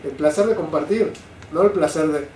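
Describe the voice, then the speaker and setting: Older guy rabbi teaching, kinda high voice, echoey room, mic far off. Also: normal speed. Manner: lively, full of rhetorical questions. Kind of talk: Torah class. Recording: roomy sound, mic at a distance, faint noise.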